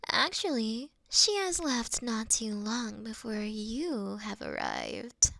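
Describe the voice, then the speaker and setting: A woman voicing a mischievous, doting fox woman in intimate roleplay ASMR, with a soft, breathy half-whisper and a coy, teasing delivery. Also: on the high side, wildly swooping pitch, slow, exaggerated voice. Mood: tender, wistful.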